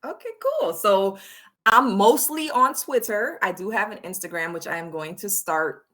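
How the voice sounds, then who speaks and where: A woman's voice: mid-range voice, normal speed, bright, forceful tone. A woman guest on a podcast, frank and chatty in casual conversation, laughing easily. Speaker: podcast guest and content creator. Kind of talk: casual chat.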